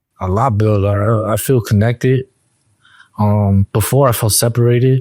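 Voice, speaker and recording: In a very clean recording with a silent background, a man with a medium pitch and a dark, mellow tone talks at a moderate pace with fairly even intonation and very even loudness, the sound dry and close with no echo. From New York. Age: 30s. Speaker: recovered alcoholic sharing testimony. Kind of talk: testimony. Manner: halting, repetitive.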